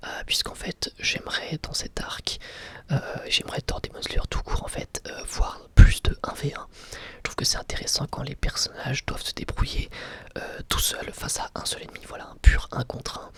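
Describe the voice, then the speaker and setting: A man's voice: medium pitch, bright, forceful tone. A man whispers breathily in an ASMR commentary, informal and enthusiastic like a fan. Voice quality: breathy, mostly unvoiced whisper. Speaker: ASMR channel host reviewing anime.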